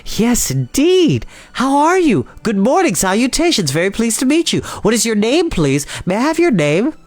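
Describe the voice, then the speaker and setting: Woman voicing a naive young boy pig, lively pitch. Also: moderate pace, slight background noise. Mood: eager, polite. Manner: eager, earnest, wide-eyed. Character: young male pig, naive, earnest, easily upset.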